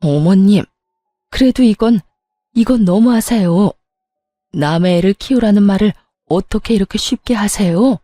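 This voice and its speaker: A woman's voice: medium pitch, moderate pace, mellow, no echo, natural voice. A woman voicing an indignant, pleading sister-in-law who protests in an agitated way in a family drama story. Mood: hurt, protesting.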